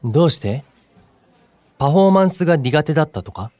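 An actor playing a kind, composed young male idol in an audio drama, speaking as a friendly, encouraging senior with gentle wording. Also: a little high, very animated, fairly quick, no room sound. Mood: curious. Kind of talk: Japanese audio drama acting.

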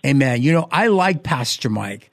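A man's voice: medium pitch, big pitch swings, moderate pace, no echo. A man hosting a Christian talk show as a pastor, upbeat and enthusiastic in casual chat. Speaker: host, pastor.

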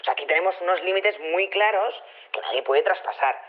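A woman's voice: on the low side, brisk. An actress playing an opinionated, chatty woman in charge of a community, talking emphatically and repeating herself over a telephone in an audio drama. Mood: indignant. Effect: telephone filter. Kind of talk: improvised-sounding phone interview in audio drama. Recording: thin phone-line sound.

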